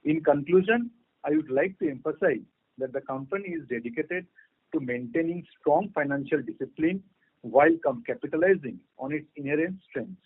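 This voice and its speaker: A male executive reads a prepared financial address in a formal, measured manner. His slightly high voice has a husky grain, and it comes through a narrow conference-call phone line. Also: expressive. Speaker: company executive giving results address. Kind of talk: scripted formal corporate address.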